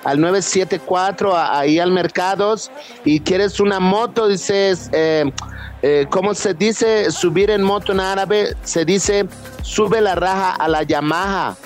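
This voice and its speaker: A pompous, mock-formal Arab tutor put on by a man drawls every phrase in a high voice. Faint music sits under the talk. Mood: mock-solemn. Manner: mock-formal, drawn-out comic delivery. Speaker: podcast co-host.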